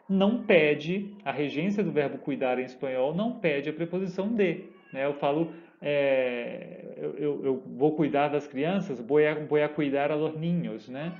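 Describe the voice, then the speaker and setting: A man's voice: on the high side, mellow, muffled recording. A man, a pastor and theology teacher, patiently explaining song lyrics line by line and often checking in with tag questions.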